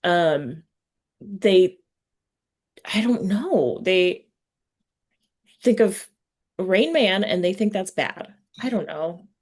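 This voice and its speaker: A woman's voice: medium pitch, animated, extremely slow, long pauses, a little mellow. A woman interviewer in casual, personal conversation, earnest and often searching for her words. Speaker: podcast interviewer.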